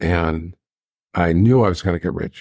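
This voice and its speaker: A man with an American accent speaks in a very deep, low pitch, somewhat breathy. The sound is dry and close with no echo, and the recording is very clean with a silent background. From US Northeast (upstate New York, Buffalo area). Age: 70s. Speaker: entrepreneur, franchise founder. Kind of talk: interview.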